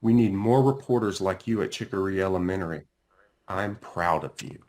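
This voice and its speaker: A man voicing a kindly, reassuring school counselor in a storybook, measured and encouraging. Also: deep voice, a little mellow, pitched below the performer's own voice, close to an everyday voice.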